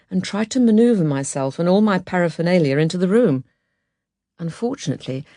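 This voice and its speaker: A woman narrating an autobiography audiobook in a measured, expressive storytelling manner. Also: fairly low pitch, no room sound, clean studio sound. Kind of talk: scripted memoir narration.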